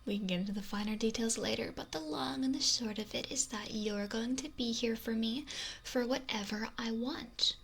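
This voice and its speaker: A woman playing a possessive, wealthy mafia boss in an intimate ASMR roleplay, breathy and often whispery, with a slow, softly threatening manner. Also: fairly high pitch, slight background noise. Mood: domineering, cool. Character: possessive, domineering wealthy female mafia boss, lonely, menacing. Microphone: close binaural ASMR microphone.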